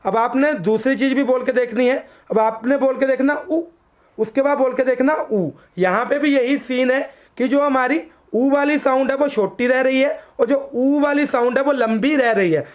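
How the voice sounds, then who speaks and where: A woman teaching an online exam-prep lesson. She addresses viewers as friends, slowly sounds out letters for them to repeat, and poses quiz questions that she answers herself in a lower voice.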